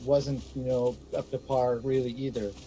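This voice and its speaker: A man talking at a moderate pace over music in the background. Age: 60s. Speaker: interview guest, gas researcher. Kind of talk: interview.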